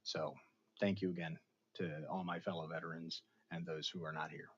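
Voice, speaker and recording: A man hosting an online show, casually recapping a television episode for his live chat in an animated, storytelling manner with sudden dramatic outbursts. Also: sits low, moderate pace, slightly rough, muffled recording. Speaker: show host reviewing an episode.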